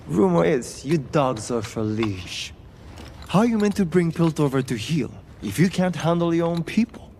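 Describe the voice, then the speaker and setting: A man's voice: fairly high pitch, very animated, measured pace, a little mellow. An actor playing a brash, scheming male underworld boss who speaks in a mocking, confrontational way. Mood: scornful. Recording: noisy background.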